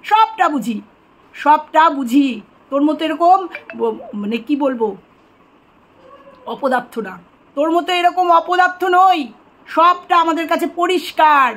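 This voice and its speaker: A woman's voice: very high voice, fairly bright tone. A woman delivering an angry, accusing monologue straight to the camera, repeating phrases for emphasis.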